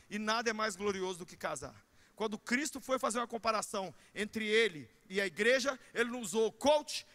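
High, bright shouting Brazilian pastor. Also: male voice. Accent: Brazilian Portuguese. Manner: animated, shouting preacher with comic asides. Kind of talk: sermon. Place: church.

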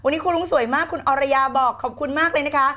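A woman with a high, bright voice coaches her live-stream audience with fiery energy. She hammers her points home by repeating them and tosses in the odd English word and blunt slang. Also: very fast. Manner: energetic and emphatic, repeats key phrases, urges viewers to shout back. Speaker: law of attraction coach. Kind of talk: live-streamed motivational teaching.

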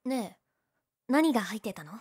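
A woman's voice: fairly high pitch, big pitch swings, a little slow, a little mellow, slightly rough, full character voice. A young woman playing a teasing, prickly, secretly lovestruck tsundere childhood friend in a romantic audio drama. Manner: bratty teasing, flustered, emotive.

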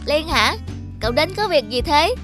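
A woman's voice: sits high, very animated, moderate pace, fairly bright tone, soft background music. A woman voicing a forgetful, reluctant little schoolboy in a children's cartoon, with a boyish, grumbling manner.

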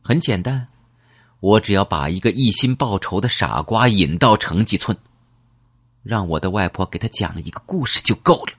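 A man voicing a ruthless, scheming young gang leader in an audiobook, confessing quickly and coldly. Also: lowish voice, expressive, a bit bright, breathy edge, dry recording.

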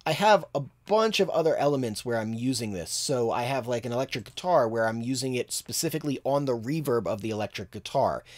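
A man in his thirties giving a casual tutorial on mixing from a home studio, thinking aloud as he works. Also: medium pitch. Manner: relaxed, thinking aloud with fillers. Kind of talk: casual screen-share tutorial.

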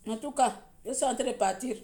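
An online commentator from Gabon talks on a live social media broadcast in a heated, mocking way, repeating words for effect. Her voice is fairly high, mellow, and fairly quick, with a reverberant sound.

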